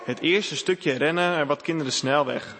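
A man reading a children's story aloud in a clear, expressive way. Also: a little high, normal speed. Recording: echoey room with faint hiss.

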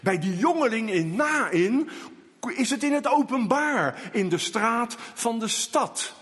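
A man preaching a sermon in slow, emphatic delivery, now and then rising to loud calls. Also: very high-pitched, expressive, slightly rough, in a large hall.

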